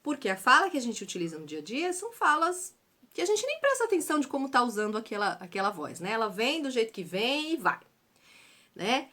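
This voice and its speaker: A woman's voice: fairly high pitch, big pitch swings, a little fast, pushed and bright. A woman from Brazil giving a chatty theater lesson, explaining with many fillers and tag questions. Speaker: theater teacher.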